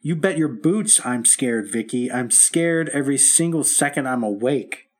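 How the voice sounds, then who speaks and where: A bitter, frightened heart patient. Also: male voice, medium pitch, lively intonation, unhurried. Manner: bitter, self-pitying, blunt. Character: frightened businessman recovering from heart attack. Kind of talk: 1950s radio drama acting.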